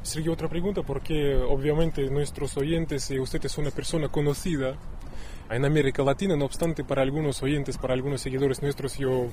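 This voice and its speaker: A man from Russia interviewing a guest in Spanish, formally phrased and pausing to search for words. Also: medium pitch, flat delivery, warm tone, a little hiss or hum.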